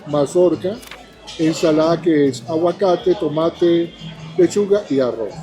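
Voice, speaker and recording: A man's voice: fairly high pitch, measured pace, mellow, faint music behind. A man, a server in a restaurant, plainly listing ingredients and telling the guest what to taste next. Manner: lists ingredients plainly and directs tasting. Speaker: server explaining dishes. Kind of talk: explaining food.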